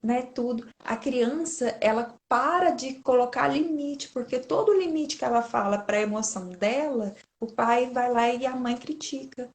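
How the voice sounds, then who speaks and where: A Brazilian Portuguese-accented woman in her thirties, a parenting speaker, gives a chatty, informal online talk on raising kids, repeatedly addressing listeners as "gente" and turning to them often. Her somewhat high voice moves at a measured pace with few pauses.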